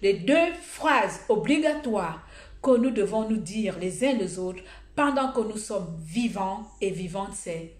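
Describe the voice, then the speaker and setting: A woman vlogger giving blunt, humorous advice in a casual monologue, telling stories with animated energy. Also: medium pitch, takes it slowly. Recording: echoey room.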